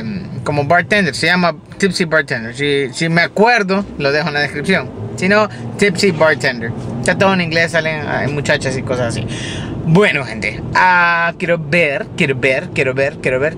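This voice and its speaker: A man's voice: on the high side, background noise. A man chatting casually in a daily vlog, rambling with fillers and restarts while driving. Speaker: vlogger. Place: in a car, driving.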